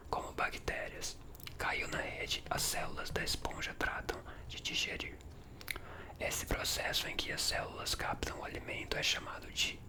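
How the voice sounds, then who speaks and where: A soft ASMR whisper with a Brazilian accent, fully breathed with no voiced tone. The speaker reads science writing from a magazine as an ASMR creator, keeping every phrase hushed. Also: very high-pitched.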